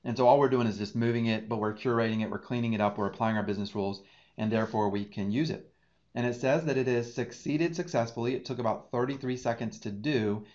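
A man's voice: mid-range voice, fast, darkish tone. Guy in his 30s doing a screen share tutorial, talks thru each click, kinda dull lo-fi sound. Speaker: data engineering instructor.

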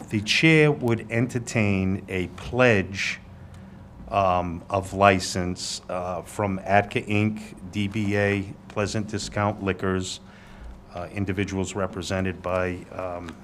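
Low-voiced man chairing a hearing. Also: steady tone. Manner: measured, procedural, deliberate. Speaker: licensing board chair. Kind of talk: formal meeting procedure. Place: city hall hearing room. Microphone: table microphone. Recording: noisy government TV meeting audio.

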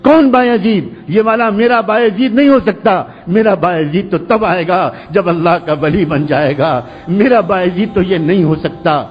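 A man preaching in Urdu takes the part of a devout widowed mother who answers firmly and loudly from behind a door. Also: very high voice, hardly any pauses, long reverb tail, voice pushed up. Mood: stern. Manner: firm, loud and proclaiming.

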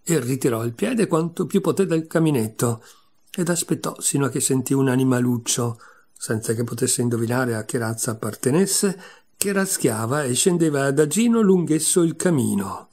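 A male audiobook reader narrating a classic children's tale. His reading is measured and expressive. His voice sits in an ordinary middle pitch. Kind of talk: scripted narration of a classic storybook.

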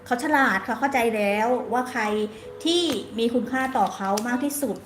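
A woman's voice: fairly high pitch, normal speed. A woman giving a casual live-streamed tarot reading, chatty and playful, with slang and frequent laughs. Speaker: tarot reader. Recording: echoey room with faint noise.

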